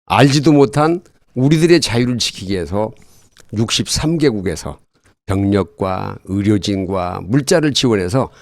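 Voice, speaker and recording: Older male expert guest for an interview: earnest, halting explainer, animated intonation, dry close sound. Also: lowish voice, no echo. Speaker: guest, retired army colonel and military history author.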